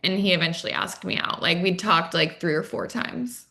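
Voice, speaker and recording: Her voice sits on the low side, gravelly with a sharp edge, and she keeps a moderate pace. As a dating coach guesting on a podcast, she gives casual advice and anecdotes, acting out small quoted exchanges.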